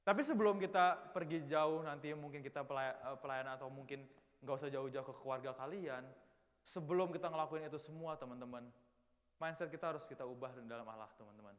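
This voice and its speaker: A young man in his twenties preaches to a youth service in an easy, conversational way. His voice sits a little high for a man and rings out with a long hall reverb. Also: quick pace, a bit bright. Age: 20s. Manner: casual, chatty, banters with the audience. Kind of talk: youth sermon. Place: church hall.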